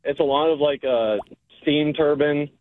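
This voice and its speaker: A man calling into a radio show, calmly explaining with fillers. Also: a little high, a little slow, no room sound. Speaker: caller. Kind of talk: phone call-in. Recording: tinny phone line.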